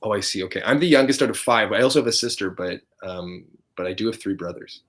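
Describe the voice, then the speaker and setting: A man's voice: on the low side, fast talker. A man from Canada, a guest on a casual video chat, talking earnestly and stopping to search for words.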